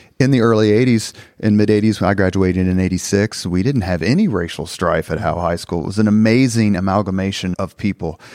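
A man with an American accent at a very fast pace, hardly any pauses, and ordinary pitch variation. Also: fairly low pitch for a man. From Indianapolis, Indiana. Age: 50s. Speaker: podcast host, public relations executive. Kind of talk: interview.

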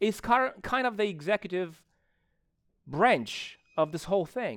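In an Eastern European accent, a man with a high pitch talks at a very slow pace with lively intonation. The recording is very clean with a silent background. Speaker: preacher. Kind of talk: sermon. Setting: church.

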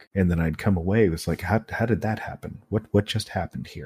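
Breathy to a degree, a man speaks in a dark, mellow tone with an American accent and ordinary pitch variation. The sound is dry and close with no echo, on a very clean recording with a silent background. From Texas. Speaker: game writer and video essayist, former attorney. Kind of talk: casual chat.

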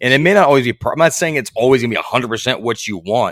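A man with a Southern US accent speaks with lively intonation. The sound is dry and close with no echo, on a very clean recording with a silent background. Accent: Southern American. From Virginia, US South. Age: 20s. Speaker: libertarian podcast host and activist. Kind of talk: casual interview chat.

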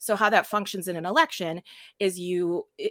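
A woman with an American accent, medium pitch and ordinary pitch variation, in a dry, close sound with no echo on a very clean recording with a silent background. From Minnesota. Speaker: lawyer. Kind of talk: interview.

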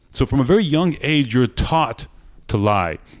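A man talks at a moderate pace in an unremarkable speaking voice, his intonation lively. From Iran, partly raised in Eugene, Oregon. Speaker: musician and podcaster. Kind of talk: interview conversation.

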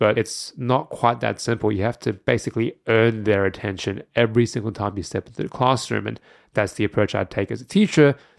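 At a fairly quick pace, a man with a fairly low pitch and ordinary pitch variation speaks in an ordinary speaking voice, recorded very cleanly with a silent background. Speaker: scientist podcast host. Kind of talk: casual chat.

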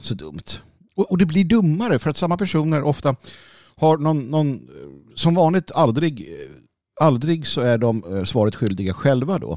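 At a moderate pace, a man with a dark, mellow tone and a fairly high pitch makes very wide pitch swings and leaves long, frequent pauses. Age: 40s. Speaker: podcast host. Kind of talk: monologue commentary. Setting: home recording by a fireplace.

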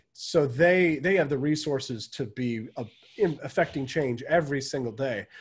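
Somewhat breathy, a man with an American accent speaks at a moderate pace and a fairly high pitch with ordinary pitch variation. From Missouri. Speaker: former political candidate, radio talk show host. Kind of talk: interview.

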